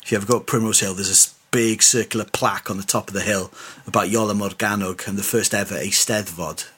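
A man's voice: on the low side, fairly even intonation, fast, a bit bright, slightly rough. A middle-aged Welshman, a radio presenter with Welsh as his first language, chatting in an interview in a self-deprecating way and laughing often. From Wales. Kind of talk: casual interview chat.

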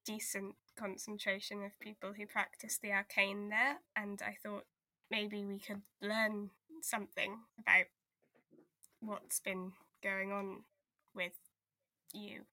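A woman's voice: medium pitch, level tone, slow, sharp tone, no room sound, exaggerated voice. A woman playing an exasperated but caring investigator in an audio drama, blunt yet hesitant when earnest. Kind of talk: audio drama table read.

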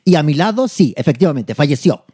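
A man's voice: fairly high pitch, sing-song, quick pace, mellow, husky, no echo, studio quality. A man playing doña Nini, a vain old diva. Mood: haughty. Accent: Mexican. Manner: haughty, flirtatious, cutting. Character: vain aging female diva of old films. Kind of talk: comedy sketch banter.

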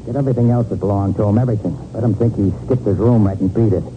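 A man's voice: fairly low pitch, racing, natural voice. Man playing a sneering gangster, scratchy old radio. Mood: angry, menacing. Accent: American. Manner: tough, slangy, taunting. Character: cocky, menacing male gangster boss, short-tempered and sneering. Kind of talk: 1940s radio crime drama acting. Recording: scratchy, noisy, narrow-band 1940s radio recording.

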